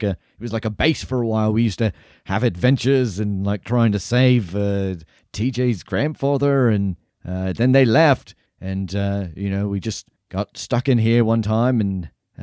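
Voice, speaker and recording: A man's voice: fairly low pitch, mellow, no echo, clean studio sound, lightly acted. A man voicing a friendly, easygoing tavern keeper in a tabletop game, with a folksy, welcoming way of talking. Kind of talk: in-character tabletop role-play.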